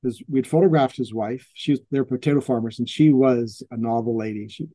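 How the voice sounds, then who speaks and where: A man's voice: medium pitch, brisk, no room sound. A man, a portrait photographer, casually telling stories about his clients in an interview, acting out their voices and restarting his sentences often. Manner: animated, acts out quoted voices, restarts often.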